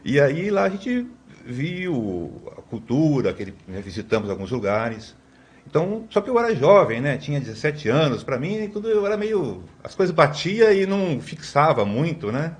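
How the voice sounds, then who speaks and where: A man's voice: on the high side, big pitch swings, normal speed. A man in his fifties from Brazil, a podcast guest telling long stories in a rambling way, with many tag questions and restarts. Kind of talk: conversational storytelling.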